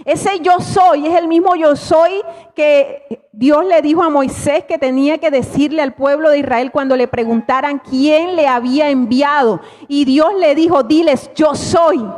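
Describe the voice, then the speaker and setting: A middle-aged woman pastor, preaching a fervent sermon that swells to shouting. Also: sits high, measured pace, long reverb tail. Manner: impassioned preaching, rising to shouts.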